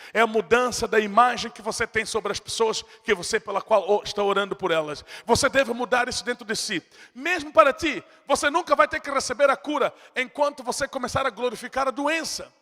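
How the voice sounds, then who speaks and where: A man's voice: extremely high pitch, brisk, fairly bright tone. A male pastor preaching a sermon with emphasis and acting out the people in his stories, in a church hall. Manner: emphatic preaching, acts out quotes. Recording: long hall reverb.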